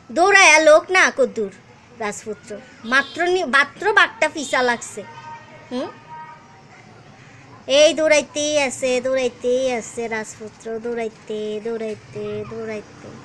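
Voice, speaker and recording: A woman's high-pitched, put-on character voice, drawling at a fairly slow pace with lively intonation. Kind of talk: bedtime story. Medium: comedy sketch. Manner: slow, repetitive, drawling.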